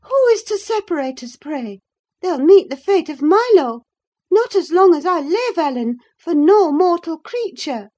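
A woman's voice: very high-pitched, big pitch swings, measured pace, mellow, pitched above the performer's own voice, heavily acted. A woman reader voicing a passionate, headstrong young woman torn in love, speaking with impassioned fervor. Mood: indignant. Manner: fervent, impassioned declaiming.

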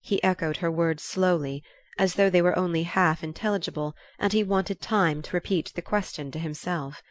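A woman narrating a novel aloud in a calm, even storytelling manner. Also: fairly low pitch, normal speed, no room sound. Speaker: audiobook reader.

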